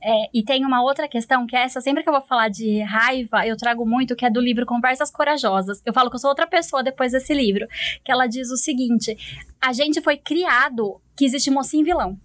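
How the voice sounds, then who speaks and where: A Brazilian woman psychologist speaking calmly on a podcast, explaining ideas and acting out quoted dialogue. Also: sits high, fairly quick, no echo. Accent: Brazilian Portuguese. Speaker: psychologist guest. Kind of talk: casual podcast conversation.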